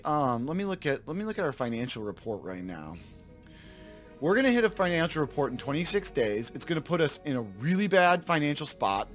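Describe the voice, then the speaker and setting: Male let's-play host, slightly raspy from a cold, animated and fairly high delivery, thinks aloud. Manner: thinks aloud, self-correcting, addresses viewers. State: slightly raspy from a sore throat. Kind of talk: casual gameplay commentary.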